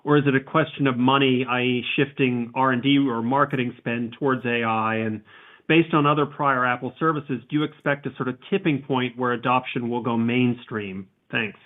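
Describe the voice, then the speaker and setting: A man's voice: medium pitch, steady tone, moderate pace. Male analyst caller, mid-range voice, formal prepared questioning, heard through a thin telephone line. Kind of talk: asking formal, prepared questions on an earnings call. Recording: narrow, phone-like line.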